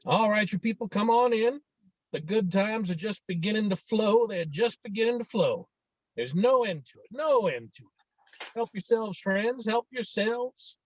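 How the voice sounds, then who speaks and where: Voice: medium pitch, expressive, unhurried, no room sound. An actor voicing a blustering, domineering middle-aged father in a screenplay table read, over muffled call audio. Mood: boisterous, commanding.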